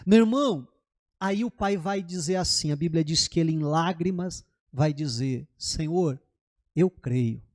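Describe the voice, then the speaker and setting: A Brazilian man preaching a sermon in a church as pastor, animated, asking the congregation questions and acting out the voices he quotes. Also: a little high, normal speed.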